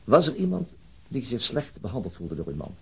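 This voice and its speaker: Chief inspector, husky, dark soft timbre, calm, tactful, hesitant, radio crime drama. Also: male voice, medium pitch, a little fast, heavily acted, poor audio. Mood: patient probing. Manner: hesitant, polite. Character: calm, tactful male police chief inspector questioning gently. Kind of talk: naturalistic radio drama acting.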